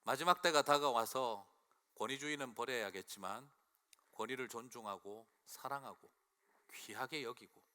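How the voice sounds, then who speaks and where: A male pastor from Busan preaching a sermon, asking rhetorical questions and slowing down to read scripture. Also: mid-range voice, pushed and bright. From Busan, South Korea. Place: church sanctuary. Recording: long church hall reverb.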